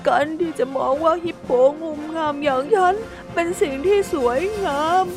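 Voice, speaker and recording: A woman's voice: very high-pitched, unhurried, pitched above the performer's own voice. A woman voicing a shy, clumsy young female hippo who keeps apologizing through tears. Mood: sad, doubting. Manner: apologetic, tearful. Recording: music underneath.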